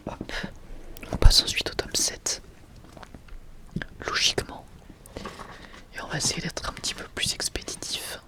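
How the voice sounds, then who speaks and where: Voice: a little slow, long pauses. An ASMR creator whispering breathily and close to the mic in a casual, rambling, enthusiastic way, often correcting themselves.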